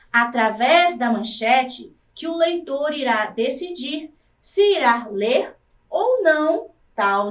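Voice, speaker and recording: A Brazilian Portuguese-speaking woman teaching a recorded lesson for adult learners, slowly sounding out syllables one by one. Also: high-pitched, far from the mic. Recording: echoey room, voice off-mic.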